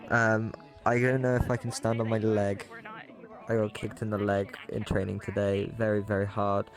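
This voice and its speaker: A man's voice: lowish voice, flat delivery, moderate pace, music in the background. A man chatting casually during an online roleplay, joking and laughing often. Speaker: roleplay player.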